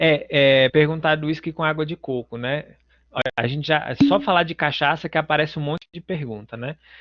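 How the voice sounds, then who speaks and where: This man has a plain, everyday voice, pitched fairly high and moving at a fairly quick pace. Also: fairly even intonation. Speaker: university professor. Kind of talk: online lecture. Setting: video call. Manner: casual, conversational.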